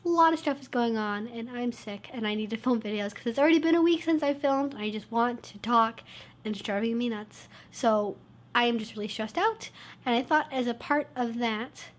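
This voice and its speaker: Woman vlogger, congested and tired, earnest and reassuring, a touch high. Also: moderate pace. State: congested, stuffed-up nose; low on energy. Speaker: YouTube channel host. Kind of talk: casual talk to camera.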